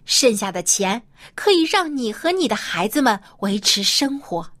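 A woman storyteller voicing a kindly male prophet who gives measured instructions in a children's Bible story. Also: on the high side, big pitch swings, a bit bright, dry recording. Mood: calm instruction.

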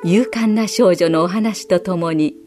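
A woman gently reading a children's Bible story aloud as scripted narration. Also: lowish voice, unhurried, faint music behind. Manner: gentle, expressive reading with acted quotes.

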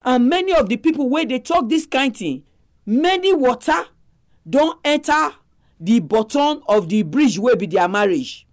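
A woman's voice: high-pitched, animated, measured pace. A woman with a Nigerian accent hosting a Christian family talk program in Nigerian Pidgin, addressing listeners directly. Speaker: radio program host. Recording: music behind the voice. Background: music.

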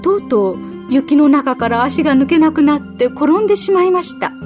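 Gentle woman reading a children's story. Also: high-pitched, expressive, normal speed. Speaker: narrator. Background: faint music.

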